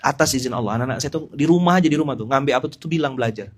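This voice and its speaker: Animated preacher. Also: male voice, medium pitch, very fast, slightly rough. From Pontianak, West Kalimantan. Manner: animated, joking, addresses listeners directly. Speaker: Islamic preacher. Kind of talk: informal sermon.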